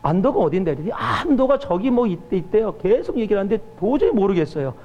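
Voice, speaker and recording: A man's voice: sits high, animated, fast talker, darkish tone, muffled recording. A male pastor giving a sermon and telling stories with acted-out quotes. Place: church sanctuary. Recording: church hall reverb.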